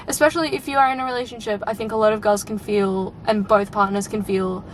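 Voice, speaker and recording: A young woman hosting a casual chat, talkative and quick to laugh, her voice a little raspy at times. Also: mid-range voice, a little hiss or hum. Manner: chatty, laughs often, lots of "like". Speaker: channel host.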